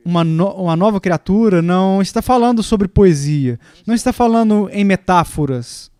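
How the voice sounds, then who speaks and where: A man with a notably high voice delivers a dubbed sermon. He speaks emphatically, leaning on pauses and repeated words. The sound is close and dry. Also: darkish tone, clear, resonant tone, dry recording. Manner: emphatic, with deliberate pauses and repetition. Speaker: preacher's voice in a dub.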